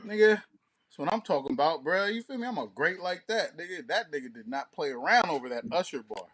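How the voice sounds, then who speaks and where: A man's voice: a little high, expressive, a little fast, fairly bright tone. A man co-hosting a talk show, giving brash, slangy comic commentary. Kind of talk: casual comedic commentary.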